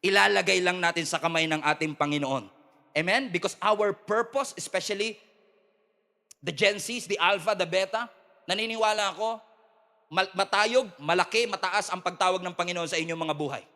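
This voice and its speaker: A man preaching a lively sermon to his church. He mixes Tagalog and English, jokes with the crowd and calls for amens. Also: sits high, moderate pace. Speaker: pastor. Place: large church hall with a live congregation. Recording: long hall reverb from a church.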